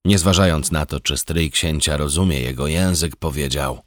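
A man narrating a historical novel as an audiobook, in a measured, steady, dramatic storytelling manner. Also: extremely low pitch, dry recording, studio quality.

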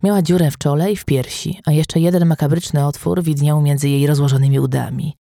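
Guy reading a crime novel out loud, steady and even, gravelly, dry close sound. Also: on the high side, a little fast, no room sound. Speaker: audiobook narrator. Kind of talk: scripted crime novel narration.

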